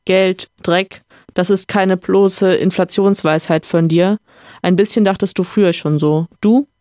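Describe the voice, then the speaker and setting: A podcaster reading a novel aloud, voicing a calm, reflective gentleman who lectures his friend in a slightly raised voice. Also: medium pitch, a little slow, no room sound, clean studio sound, lightly acted. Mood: earnest lecturing.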